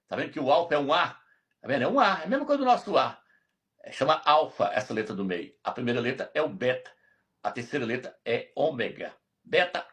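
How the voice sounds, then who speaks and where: A man's voice: mid-range voice, a bit bright. A man teaching Bible lessons on a live stream, emphatic and repetitive, often checking that his listeners follow. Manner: emphatic, repetitive, keeps asking "tá vendo?". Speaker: religious teacher.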